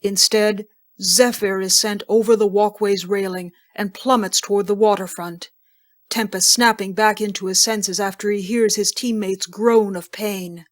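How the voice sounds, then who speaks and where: A woman reading scripted narration for an audio drama in a measured, descriptive storytelling manner. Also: medium pitch, fairly even intonation.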